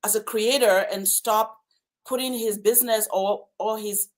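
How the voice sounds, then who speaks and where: Woman on a panel talking it through slow and measured, middle pitch. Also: steady tone. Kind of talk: casual panel discussion.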